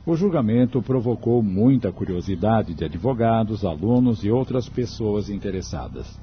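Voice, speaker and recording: A man's voice: fairly low pitch, animated, moderate pace, a little hiss or hum. A man reading scripted narration as the narrator of a dramatised audiobook. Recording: dull lo-fi sound, music behind.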